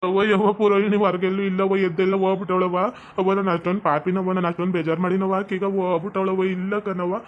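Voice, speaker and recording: A man's voice: high-pitched, little pitch movement, very fast, dull audio, slight background noise, natural voice. A man playing a clingy young village husband, whining and pleading. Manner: whining, pleading, repeating himself.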